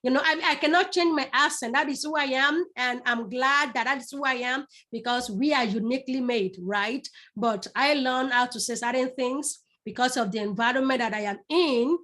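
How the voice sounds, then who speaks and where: A woman's voice: high voice, moderate pace, few pauses, fairly bright tone. A middle-aged woman with a Yoruba Nigerian accent, teaching public speaking in a live class, addressing the listeners directly and repeating words for emphasis. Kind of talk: live online masterclass.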